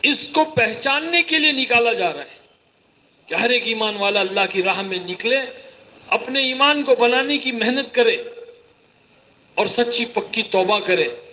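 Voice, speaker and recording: A man giving an animated, storytelling sermon and mimicking the people in his stories. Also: very high-pitched, unhurried. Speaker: preacher giving a religious talk. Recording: slightly muffled recording with faint hiss.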